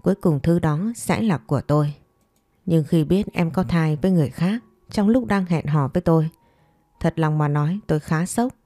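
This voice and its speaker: A proud, composed man speaks in a measured, mellow tone, played by a woman storyteller. It is fireside storytelling of a romance, coolly matter-of-fact, with quiet music underneath. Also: low-pitched, dry recording. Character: composed, proud man coolly rejecting his former girlfriend.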